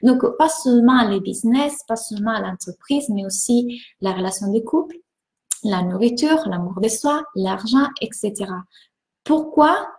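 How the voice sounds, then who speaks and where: A woman from Italy with an Italian accent, a mindset coach hosting a live stream, greeting viewers warmly and repeating words enthusiastically. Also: a little high, expressive, normal speed, echoey room.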